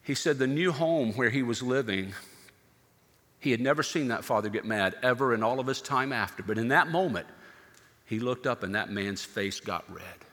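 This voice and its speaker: A male pastor telling a story in a sermon, dramatic and moving from hushed to loud. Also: medium pitch, animated, moderate pace, big-room sound.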